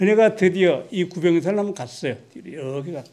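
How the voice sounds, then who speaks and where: A man's high-pitched voice has a dark, mellow tone and ordinary pitch variation. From Korea, Gyeongsang-Chungcheong border near Gubyeongsan. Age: 70s. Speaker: poet. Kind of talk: public lecture. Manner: conversational, repetitive.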